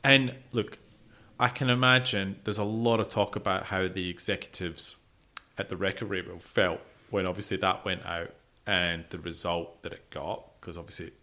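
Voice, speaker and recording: A man's voice: sits low, fairly even intonation, normal speed, bright, forceful tone. A man co-hosting a music podcast, talking casually and emphatically with plenty of swearing and repeating himself for stress. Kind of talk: casual opinionated music discussion.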